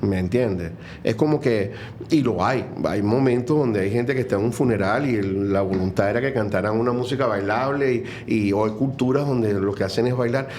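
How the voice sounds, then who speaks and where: A man's voice: lowish voice, normal speed, a little mellow, slight background noise. A middle-aged man with a Venezuelan accent, a guest speaking earnestly and reflectively in a conversational interview, with many fillers and restarts. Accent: Venezuelan Spanish.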